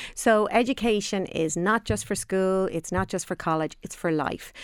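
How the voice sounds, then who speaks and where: In an Irish accent, a woman speaks at a medium pitch with ordinary pitch variation on a very clean recording with a silent background. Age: 50s. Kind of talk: radio interview.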